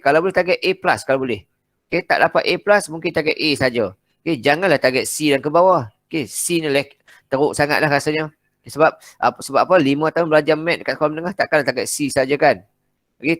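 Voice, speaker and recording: A man's voice: a little high, quick pace, a bit bright, dry recording. A man with a Malaysian Malay accent, a maths teacher giving a casual seminar talk, blunt and direct, acting out exchanges with students and often saying "okey".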